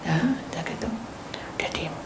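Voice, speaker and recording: A woman pastor preaching and telling stories, animated, dropping into whispered asides while addressing the congregation. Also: normal speed. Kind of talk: sermon with storytelling. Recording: roomy hall echo, faint noise.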